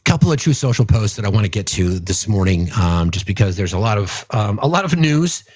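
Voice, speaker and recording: A man's voice: lowish voice, sing-song, brisk, a little mellow, breathy edge, no room sound. A middle-aged man hosting a political commentary show, ranting bluntly and profanely with many restarts. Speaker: host.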